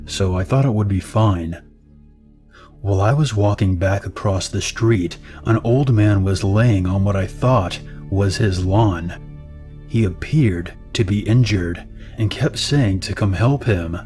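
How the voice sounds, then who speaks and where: A man calmly narrating reader-submitted true scary stories as the channel's storyteller. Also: fairly low pitch.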